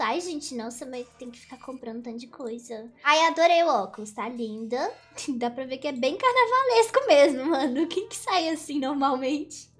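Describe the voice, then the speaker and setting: A young woman giving chatty, giggly commentary while playing a browser game. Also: high-pitched. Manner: chatty, giggly, exclaiming, teasing. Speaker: gaming YouTuber. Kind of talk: casual gameplay commentary. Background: game music.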